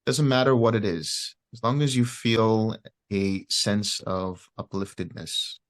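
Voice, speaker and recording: A man giving guided meditation instructions as a teacher, speaking gently and unhurriedly with pauses between short phrases. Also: lowish voice, no room sound.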